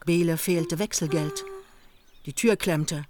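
A woman reading literary narration for a radio play in a measured, matter-of-fact way. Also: on the low side, a crowd in the background. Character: composed female storyteller narrating a young East Berlin couple's honeymoon.

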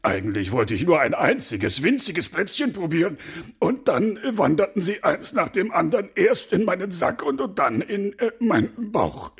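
A husky, rough-edged Santa Claus who fumbles his words with little stammers and ums. His voice swings widely between low mumbles and lifted lines, like a children's storybook audio play. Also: sing-song, moderate pace, heavily acted. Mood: sheepish. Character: Santa Claus, bumbling, sweet-toothed, sheepish old man. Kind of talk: children's radio play acting.

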